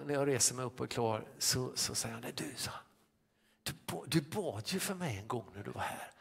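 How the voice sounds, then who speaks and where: Male pastor, mid-pitched, gravelly, halting storyteller. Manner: halting, many restarts and fillers. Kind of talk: sermon anecdote.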